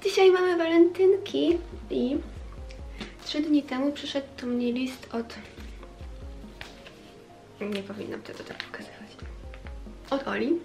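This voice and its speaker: Woman in her twenties, congested pinched-nose sound, fairly high pitch, casual vlog chat. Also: a little slow, creaky, long pauses, over music. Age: 20s. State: stuffy nose from a cold. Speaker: vlogger. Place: small bedroom, indoors. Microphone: camera a short distance away on a bed.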